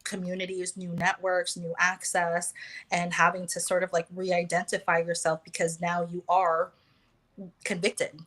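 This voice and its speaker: An American woman talking as a guest in a casual conversation, pausing often with fillers and restarts. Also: on the low side, monotone, fairly bright tone, rough recording. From United States. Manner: hesitant, many fillers and restarts.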